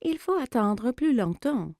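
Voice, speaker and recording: A woman voicing a caring, gently teasing mother in a children's cartoon, expressive and reassuring. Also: a little high, a little slow.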